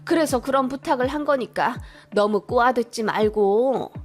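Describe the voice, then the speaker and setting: A woman voicing a scheming older mother-in-law who talks down loudly in a radio story. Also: on the high side, normal speed, faint music behind, lightly acted. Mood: pushy. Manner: loud, wheedling, talks down.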